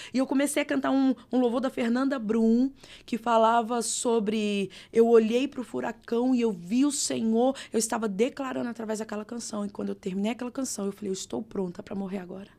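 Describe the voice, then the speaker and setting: A woman pastor with a Brazilian accent, telling her testimony in a podcast interview with expressive, dramatic storytelling. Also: fairly high pitch. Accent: Brazilian Portuguese. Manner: expressive, dramatic storytelling with vivid reenacted dialogue. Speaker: pastor, guest.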